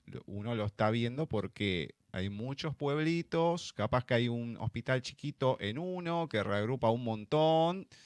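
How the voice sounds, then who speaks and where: On a very clean recording with a silent background, a man in an Argentine accent speaks at a fairly slow pace with hardly any pauses, his medium-pitched voice showing lively intonation in a dry, close sound with no echo. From Argentina. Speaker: radio host. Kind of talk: interview. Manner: casual.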